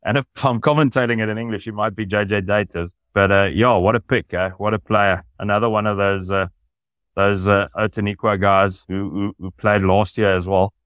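Lower-voiced rugby commentator. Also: male voice, fairly even intonation, a little fast, fairly bright tone, no echo. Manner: enthusiastic, analytical. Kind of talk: podcast discussion.

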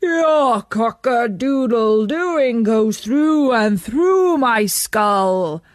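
A woman voicing an old runaway donkey in a children's story, eager to be a musician, with a hearty, drawn-out delivery. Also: fairly high pitch, expressive, dry recording, clean studio sound. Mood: jovial, probing.

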